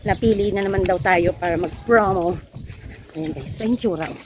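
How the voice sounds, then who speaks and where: A middle-aged vlogger and sari-sari store owner talks to her viewers at a moderate pace in a lowish voice, with a noisy background. Her casual chat moves between stories with acted-out dialogue and encouraging, preachy pep talks.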